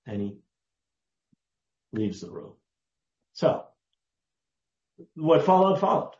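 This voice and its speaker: A man, giving a guest's long answers in an interview, deliberate and emphatic, stressing key words. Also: on the high side, sing-song, darkish tone. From United States. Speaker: guest historian. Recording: roomy, dull lo-fi sound.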